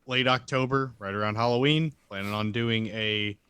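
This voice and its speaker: A man's voice: lowish voice, steady tone, normal speed, pushed and bright, clear, resonant tone, dry recording. A man on a podcast making casual announcements and chatting with the group. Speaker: podcast cast member.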